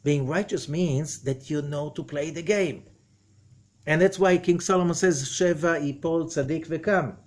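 An older rabbi teaches in a husky, breathy voice, swinging between soft and emphatic lines as he acts out quotes. He sits indoors in a wood-panelled room, recorded by a camera across the table. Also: on the high side, a little slow. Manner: expressive, gestures broadly, quotes figures dramatically. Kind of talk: animated spoken lesson.

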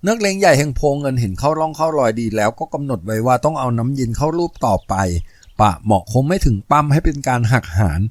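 A man reading a novel aloud in steady, measured scripted narration. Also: mid-range voice, no room sound. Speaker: audiobook narrator.

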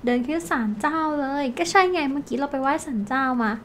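A woman's voice: high-pitched, fast, a little hiss or hum. A woman hosting a gaming channel, chatting playfully to viewers as she comments on her game.

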